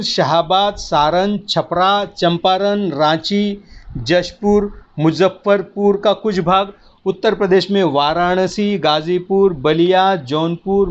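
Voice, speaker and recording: Male teacher, lecture, dull lo-fi sound. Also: sits high. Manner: explanatory, repeats key words, asks "है ना". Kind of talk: spoken lecture.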